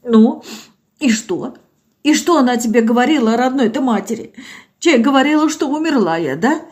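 Weepy old countrywoman, sing-song lament, high and quavering, voiced by a woman. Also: animated, moderate pace, darkish tone, close to an everyday voice. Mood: tearful. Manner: sing-song, sobbing, folksy.

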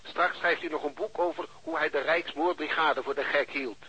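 An actor playing a bullying, impatient police chief in a Dutch radio drama, sharp and insistent. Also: male voice, a little high, moderate pace, no echo, low-quality recording. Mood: indignant. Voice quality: raspy, sharp. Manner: hectoring, insistent.

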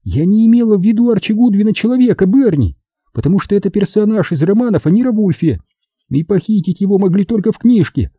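A man's voice: high-pitched, expressive, quick pace, warm tone, breathy edge, no room sound, highs cut off, voice pushed up. A man reading an audiobook, voicing a tipsy young woman who rambles indignantly through her points. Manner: drunken rambling, counting points.

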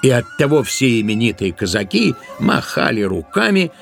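A man's voice: mid-range voice, big pitch swings, normal speed, vocal fry. A man narrating a literary tale as an audiobook storyteller, expressively and with playful, wry intonation. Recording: studio audio drama with music behind. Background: music.

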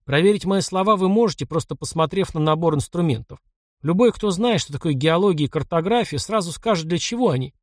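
A man's voice: fairly high pitch, animated, a little fast, no room sound, clean studio sound, pitched above the performer's own voice. A man voicing a captured foreign baron, a wary middle-aged man who answers reluctantly. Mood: wary, pleading.

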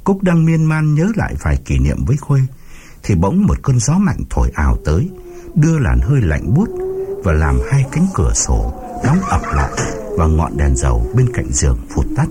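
A man's voice: low-pitched, huge pitch swings, normal speed. A man narrating a ghost story in a suspenseful, dramatic audiobook style, over background music.

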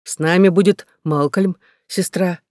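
A man's voice: high-pitched, steady tone, measured pace, darkish tone, no room sound, clean studio sound. A man voicing a determined young woman settler, speaking earnestly and persuasively.

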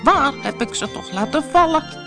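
A frantic storybook white rabbit, nervous and bossy, fretting in a drawn-out mumble, done by a woman reader. His voice sits a little high and swings up and down. Faint music plays underneath. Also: animated. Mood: fretful. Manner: anxious, fussy, slow mumbling.

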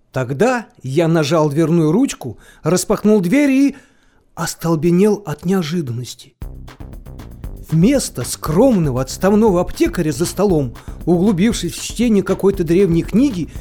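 An actor playing a young male student who narrates a humorous sea tale expressively in an audio play. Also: high-pitched. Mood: lively, suspenseful. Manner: animated, expressive storytelling.

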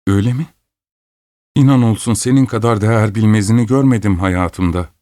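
A man's voice: lowish voice, a little fast, dark tone, no room sound, studio quality, close to an everyday voice. A man voicing an impulsive, lovesick young student in a storybook reading. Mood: angry. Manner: eager, then bitter.

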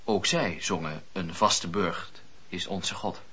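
A fervent religious dissenter in a period radio play. His voice is rough-edged and intense, fairly low, and he tells things with earnest, declamatory conviction and dramatic pauses. The recording is somewhat dull. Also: sharp tone, full character voice. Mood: impassioned. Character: fervent wandering preacher, earnest 17th-century religious dissenter.

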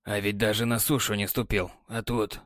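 Brief: gruff, sighing old sea captain, read by a male narrator, low and quiet. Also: normal speed, dry recording, studio quality, close to an everyday voice. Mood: weary. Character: weary, gruff older sea captain, tender husband. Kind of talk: audiobook character voice.

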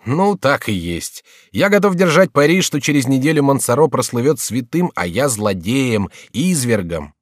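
A man voicing a rash young nobleman with a sardonic, brisk manner, in an audiobook reading. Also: mid-range voice, sing-song, dry recording, studio quality, voice pushed up. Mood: wry.

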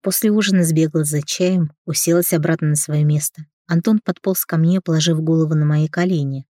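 Woman reading a romance story out loud, low warm voice, dry close sound. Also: fairly even intonation, fairly quick, no echo. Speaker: audiobook reader. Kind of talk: first-person romance narration.

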